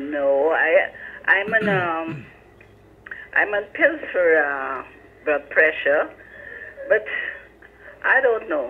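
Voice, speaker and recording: Very slow speech with long, frequent pauses amid noticeable background noise. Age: 80s+. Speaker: caller. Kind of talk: call-in health question. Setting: phone call. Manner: sounds younger than age.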